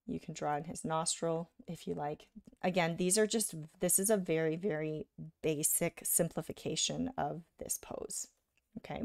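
A woman giving a live drawing lesson, talking casually while she sketches and often checking in with "right?", a little hoarse from being sick. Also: deep voice, normal speed, a little mellow, no room sound, studio quality. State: slightly hoarse from illness. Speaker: art instructor.

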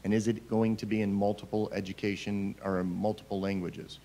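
Middle-aged male board official, rapid talker, lowish pitch, slightly noisy meeting room. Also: level tone, dark tone. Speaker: school board vice chair. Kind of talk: questioning at a public board meeting. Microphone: table gooseneck or stand microphone.

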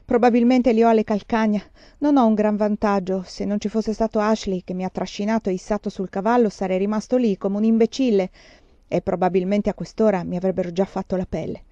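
A woman's voice: medium pitch, steady tone, fairly quick, dark tone, dry recording, lightly acted. Woman doing a hunted young man, urgent, boastful, raised voice, dry dull audiobook sound. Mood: excited. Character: desperate fugitive young southern man.

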